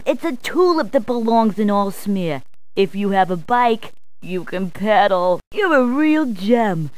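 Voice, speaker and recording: A woman's voice: a little high, no echo. A woman voicing a cheery adult policewoman in a game, speaking in upbeat, chatty puns. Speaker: voice actor. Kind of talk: game voice clips.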